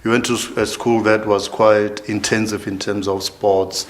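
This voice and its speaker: A man's voice: lowish voice, flat delivery, moderate pace, a little hiss or hum. A man hosting a casual interview talk show.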